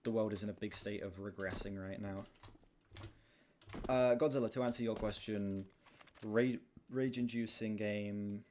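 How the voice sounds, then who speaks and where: This young adult streamer talks openly and casually to his audience at a measured pace, occasionally swearing. His fairly low voice carries a projected streaming quality he himself describes as monotone, and keyboard clicks and typing can be clearly heard.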